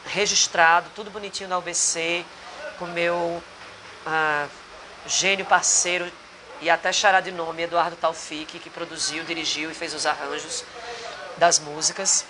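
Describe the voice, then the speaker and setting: A singer and actor from Rio Grande do Norte, Brazil, with a Potiguar Brazilian Portuguese accent, gives a rambling, earnest casual interview in a bar, restarting frequently. His voice is on the high side, delivered flatly at a measured pace, with background noise present.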